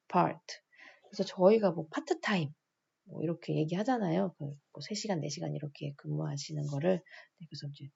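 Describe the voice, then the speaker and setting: A woman teaching English phonics step by step to adult learners. She spells out each word slowly, repeats every rule and keeps checking in with small questions. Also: fairly low pitch, creaky, warm tone, breathy edge, dull audio.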